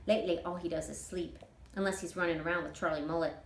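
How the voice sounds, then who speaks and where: A woman's voice: fairly low pitch, steady tone, fast, reverberant, a little hiss or hum, natural voice. A woman reader voicing an earnest, watchful fifth-grade country girl from a children's novel, plainspoken and questioning. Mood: troubled.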